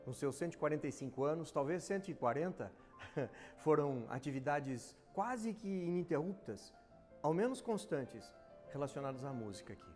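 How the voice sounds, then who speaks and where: A man's voice: on the high side, expressive, normal speed, a little mellow. A man speaking proudly and steadily in an interview. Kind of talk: interview statement. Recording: faint music underneath.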